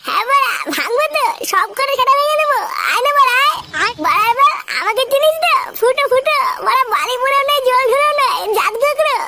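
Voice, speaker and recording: A performer voicing Futo, a foul-mouthed, brash young man in a cartoon who swears and shouts constantly. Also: very high voice, lively intonation, fast talker, slight background noise, heavily acted. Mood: brash taunting.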